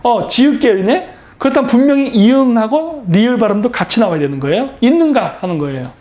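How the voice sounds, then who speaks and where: A man's voice: extremely high pitch, expressive, fast talker, darkish tone. A man giving a history lecture, explaining with emphasis and often asking rhetorical questions he answers himself.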